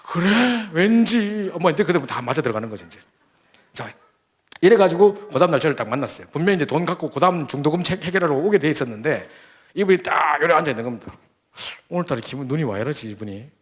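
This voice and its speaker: A young man preaching a sermon, telling a story full of quoted dialogue and quick restarts. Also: a little high, lively intonation, slightly rough. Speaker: preacher at a church training camp. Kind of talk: sermon with acted-out stories.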